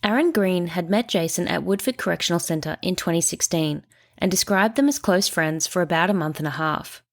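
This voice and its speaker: A woman hosting a true crime podcast, reading a measured scripted narration with a stuffy nose. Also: on the low side. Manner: measured, reasoning aloud through evidence.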